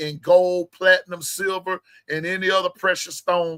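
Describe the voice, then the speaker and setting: A man speaks in a raised, projected voice at a high pitch and a moderate pace. His tone is bright and sharp, and the sound is dry and close with no echo. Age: 60s. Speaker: sports livestream host. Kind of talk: casual livestream chat.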